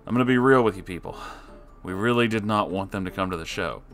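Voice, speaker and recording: A man reading an online story aloud, adding sarcastic asides to the listener in a lively voice that swings between loud and quiet. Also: deep voice, fast talker, soft background music. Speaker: story reader.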